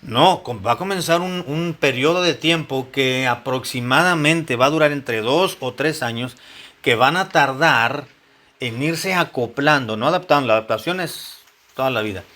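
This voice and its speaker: Pastor guy, bright edgy voice, preachy but chatty, keeps asking the church stuff. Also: medium pitch, normal speed. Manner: conversational preaching with questions to the congregation and frequent repetitions. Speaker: pastor teaching a Bible study. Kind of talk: sermon-style Bible teaching to married couples.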